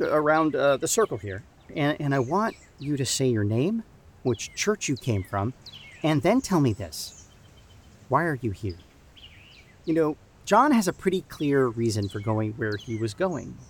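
An actor playing an earnest, encouraging church camp youth leader who haltingly repeats and restarts his phrases in an audio drama. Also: on the high side. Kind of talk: improvised-sounding audio drama dialogue. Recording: outdoor background noise with birdsong.

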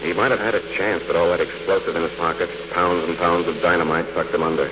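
An actor playing a suave, calm gentleman sleuth in a 1940s radio drama, measured and faintly wry. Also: low-pitched, natural voice. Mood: composed, reflective. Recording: muffled, hissy 1940s radio recording.

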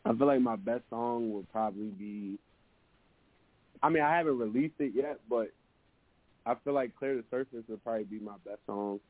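A man with a deep voice answering interview questions about his music in a relaxed, hesitant way, with lots of fillers and restarts. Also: moderate pace, no room sound. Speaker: musician guest. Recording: dry, narrow phone-like sound.

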